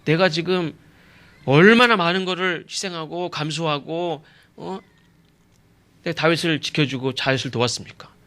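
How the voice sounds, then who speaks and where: A man's voice: a little high, moderate pace, bright, forceful tone. A man voicing an indignant young prince, a loyal friend who feels wronged and complains with rhetorical questions. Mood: indignant, aggrieved.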